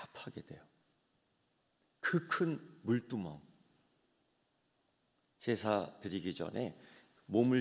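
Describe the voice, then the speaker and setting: A man preaching a sermon as pastor, swinging from hushed tones to loud dramatic outbursts. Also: medium pitch. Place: church sanctuary. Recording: long church hall reverb.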